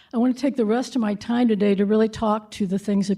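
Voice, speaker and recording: The speaker talks at a fairly quick pace in a dark, mellow tone that is somewhat breathy. Intonation stays fairly even, and the recording is very clean with a silent background. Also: woman. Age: 60s. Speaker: homeless outreach worker giving public testimony. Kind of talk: public comment at city committee hearing. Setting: city council committee hearing room.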